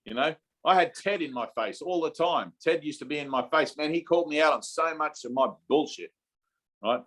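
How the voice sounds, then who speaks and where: His voice a little high and a bit bright, a man talks fairly quickly while guiding an informal spiritual session by video call. He keeps checking in with "okay?" and "right?".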